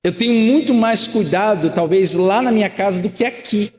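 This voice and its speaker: A man's voice: sits high, moderate pace, a little mellow, in a large hall. A man in his thirties, from Rio de Janeiro, preaching an earnest, conversational sermon full of rhetorical questions and repeated phrases. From Rio de Janeiro, Brazil. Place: church sanctuary.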